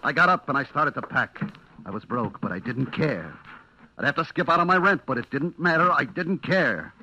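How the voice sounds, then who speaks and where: A man's voice: mid-range voice, expressive, normal speed, pushed and bright, dull audio, a little hiss or hum. Jittery noir everyman. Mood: tense, confessional. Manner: jittery, clipped, confessional. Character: nervous, cornered noir everyman telling his own story. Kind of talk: old-time radio suspense acting and narration. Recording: vintage radio recording with music behind.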